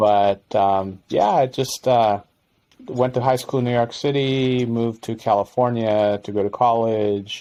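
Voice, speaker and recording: This man talks at a fairly slow pace in a medium pitch with a dark, mellow tone. His intonation stays fairly even. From Brazil. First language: Portuguese. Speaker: entrepreneur, company CEO. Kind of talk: casual interview.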